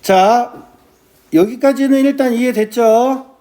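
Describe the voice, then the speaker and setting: Guy teaching a class, really high voice but slow talker, keeps asking "got it?". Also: dark tone. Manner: keeps starting with "ja", asks students quick checking questions; recites verse slowly and drawn out. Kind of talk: classroom lecture on classical poetry.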